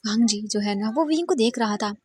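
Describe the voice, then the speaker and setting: A woman's voice: a little high, fairly quick, darkish tone, slightly rough, no echo, studio quality. A woman casually narrating her own fanfiction story, chatty and mixing in English words.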